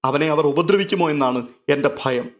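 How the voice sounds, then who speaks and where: A man's voice: on the high side, brisk, lightly acted. A man voicing a tearful middle-aged mother who pleads that her son is innocent. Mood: distraught. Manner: pleading, distraught.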